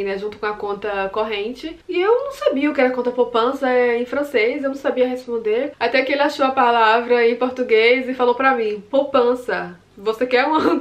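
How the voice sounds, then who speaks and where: A young woman from Brazil casually recounting her mishaps abroad in a vlog, acting out her own reactions in quotes. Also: on the high side. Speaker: vlogger.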